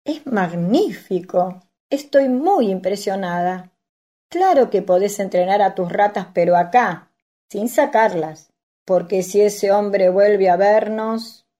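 A woman's voice: mid-range voice, slow, natural voice. A woman playing a feisty grandmother. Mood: firm. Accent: Rioplatense Spanish. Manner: firm and sharp-tongued.

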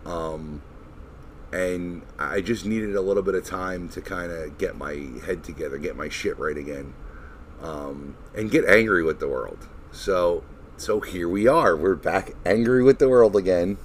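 A man hosting a podcast, chatting casually in a halting, informal way with some swearing. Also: deep voice. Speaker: podcast host. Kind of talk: casual chat. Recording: noisy recording.

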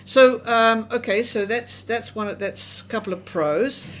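A woman's voice: on the high side, measured pace, a little hiss or hum. A woman moderating a conversational discussion, putting questions and responding.

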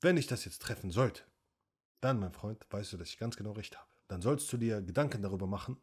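A man's voice: on the low side, expressive, a little fast, slightly rough. A man giving a blunt, confrontational coaching monologue, lecturing the listener directly and sometimes mocking them in a whiny voice. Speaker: men's coach.

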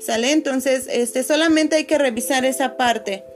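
A woman teacher, talking patiently to her pupils on a video call and filling pauses with "este". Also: high voice, faint music behind. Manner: patient, many fillers, calls pupils "chicos" and "corazones". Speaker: schoolteacher. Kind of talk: online class video call.

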